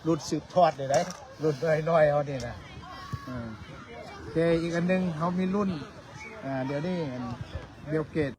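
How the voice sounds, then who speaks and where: A man's voice: on the high side, moderate pace. A man with a Lao accent, a club president chatting loosely on a livestream and urging fans to cheer on the kids. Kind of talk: casual livestream chat. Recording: loud crowd noise behind.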